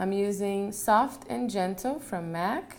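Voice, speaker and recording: This woman speaks at a medium pitch with ordinary pitch variation and a Portuguese accent. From Brazil. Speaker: makeup tutorial vlogger. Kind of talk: tutorial.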